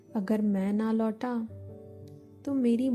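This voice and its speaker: With music in the background, a woman speaks in a soothing tone at a fairly high pitch with fairly even intonation. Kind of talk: sleep story. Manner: soothing, slow.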